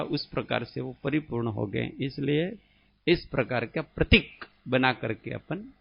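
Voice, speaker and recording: A man from India giving a slow, explanatory religious discourse as a spiritual teacher, often asking his listeners questions. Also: on the high side, vocal fry, dry recording, highs cut off.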